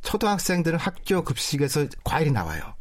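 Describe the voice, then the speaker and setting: A man with a fairly high, lively voice holds forth in a relaxed talk-show discussion. He is emphatic, swings his pitch widely, and slips in laughing asides between points. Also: fast. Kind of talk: casual discussion.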